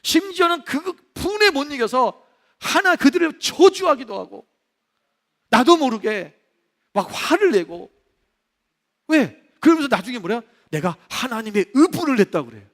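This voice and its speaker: A male pastor preaching a sermon in a church, animated, acting out the voices he quotes. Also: very high-pitched, unhurried, pauses often. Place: church sanctuary. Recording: long reverb of a church hall.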